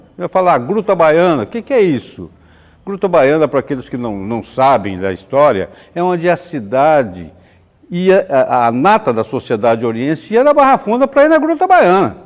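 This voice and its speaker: Very wide pitch swings from a man with a fairly high pitch. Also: moderate pace. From Brazil, Ourinhos, São Paulo state. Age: 60s. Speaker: former city council president. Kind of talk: interview.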